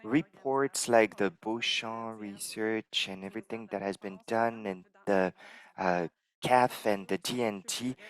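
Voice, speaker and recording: A man interpreting a conference talk live into English, measured and halting, pausing as he translates. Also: medium pitch, fairly bright tone, rough recording. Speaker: simultaneous interpreter.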